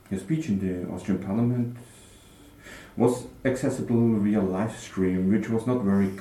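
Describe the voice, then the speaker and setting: A man with a German accent speaks in a dark, mellow tone with ordinary pitch variation. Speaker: interviewer. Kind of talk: interview.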